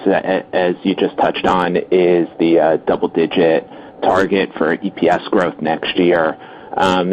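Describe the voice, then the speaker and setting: Man, deep voice, financial analyst, hesitant conversational questioning, faint line noise, conference call. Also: low-quality recording.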